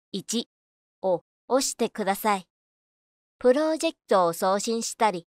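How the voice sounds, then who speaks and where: A woman voice actor reading scripted narration and announcements in a clearly enunciated, rehearsed delivery. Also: on the high side, dry recording, clean studio sound.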